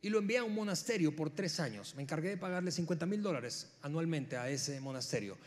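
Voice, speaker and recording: A man's voice: fairly high pitch, animated, brisk, in a large hall, lightly acted. A man voicing a competitive grown son bragging about his gift, in a sermon anecdote. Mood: boastful. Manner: boastful.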